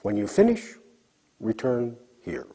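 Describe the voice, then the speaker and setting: A man teaching a recorded English lesson, slowly drilling example sentences for learners to repeat. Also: medium pitch, sing-song, vocal fry, dark tone, slightly rough.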